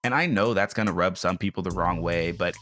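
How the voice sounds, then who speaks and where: Man, low voice, scathing sarcastic critic, blunt swearing, scripted game review narration, music behind. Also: fairly quick, fairly bright tone. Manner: blunt, profane.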